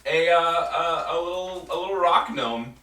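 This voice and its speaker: A man narrating a tabletop game as game master, halting as he searches for words. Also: a little high, sharp tone. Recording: echoey room, distant mic, background music.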